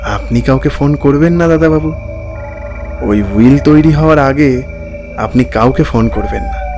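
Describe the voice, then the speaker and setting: A man playing a sinister ghostly village servant in an animated horror story, deferential yet insistent and menacing. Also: mid-range voice, unhurried, over music, natural voice.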